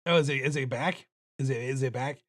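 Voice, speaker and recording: A man with a deep but slightly bright voice talks fairly quickly into a streaming microphone. He's an illustrator hosting a casual livestream, thinking aloud as he draws in a mumbly, self-deprecating way.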